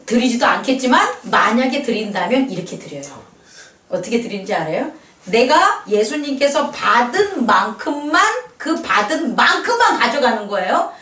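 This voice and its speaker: A woman pastor preaches with a high, lively voice that swings up and down. She acts out little quoted voices and laughs between points. Her voice is picked up from a distance and rings around an echoey church hall. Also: moderate pace. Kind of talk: sermon.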